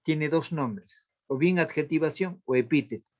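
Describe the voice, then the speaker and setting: A man teaching a literature class, explaining slowly and repeating key terms so students can take notes. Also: on the high side. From Latin America. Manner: slow, repeats key terms for note-taking. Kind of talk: classroom lesson.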